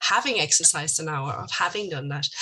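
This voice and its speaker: A woman is talking. She has a German accent. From Germany. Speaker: book club participant. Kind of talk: casual discussion. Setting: video call. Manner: halting.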